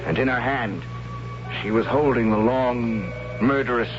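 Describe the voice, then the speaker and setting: An actor playing an anxious, reluctant young tribal warrior who tells his own story in a dramatic 1970s radio drama style, measured with hesitant asides. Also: mid-range voice, lightly acted. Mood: solemn, fearful. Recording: dull 1970s radio recording, loud music.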